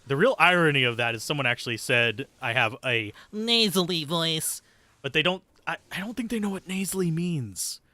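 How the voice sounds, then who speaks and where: A man's voice: a little high, lively intonation, moderate pace, pushed and bright, dry recording. A man giving casual, sweary live gameplay commentary and chatting with viewers in a sardonic, self-deprecating way. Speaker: game streamer, host.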